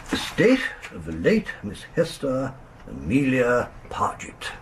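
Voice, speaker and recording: Fussy, hesitant solicitor, swooping voice. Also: male voice, medium pitch, huge pitch swings, slow, exaggerated voice. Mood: fussy, formal. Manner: fussy, formal, hesitant, throat-clearing. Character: fussy, hesitant English male country solicitor. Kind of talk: radio drama acting. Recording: faintly noisy 1980s radio drama recording.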